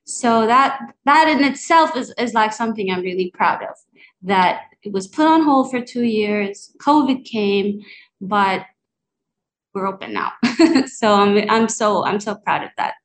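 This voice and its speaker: A woman, a cafe owner, talks from home as a podcast guest, telling her story in a chatty, animated way. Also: medium pitch, unhurried, a little hiss or hum, poor audio. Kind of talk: conversational interview.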